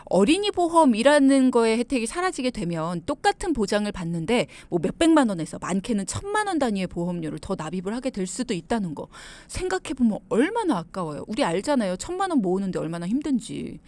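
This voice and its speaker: A woman's voice: on the high side, big pitch swings, quick pace, hardly any pauses, darkish tone, no room sound. A woman hosting a radio talk show on money, chatty and teasing her guests. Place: radio studio.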